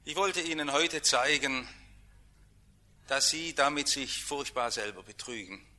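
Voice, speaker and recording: A man preaching a sermon, emphatic, with dramatic swings between quiet and loud. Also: medium pitch, measured pace.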